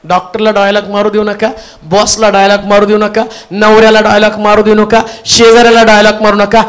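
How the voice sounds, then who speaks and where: A male pastor with a Marathi accent, preaching a Pentecostal sermon and leading the congregation in call and response, at times breaking into shouts. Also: high voice, monotone, a little fast.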